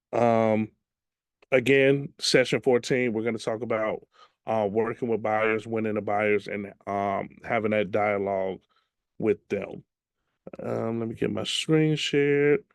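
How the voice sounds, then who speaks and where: A man teaching an online class as a real estate trainer, his voice slightly raspy from much teaching, chatty and relaxed with many ums. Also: lowish voice, measured pace, no echo. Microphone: video call.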